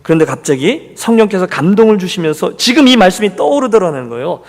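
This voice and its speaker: A man's voice: sits high, sing-song, fast talker. A male pastor giving a Sunday sermon, telling a story and voicing the people in it. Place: church sanctuary. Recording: long reverb of a church hall.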